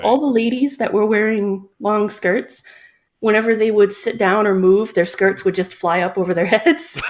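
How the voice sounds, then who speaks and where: Speaking at a moderate pace, a woman with an unremarkable speaking voice uses ordinary pitch variation around a fairly high pitch. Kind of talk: casual podcast conversation.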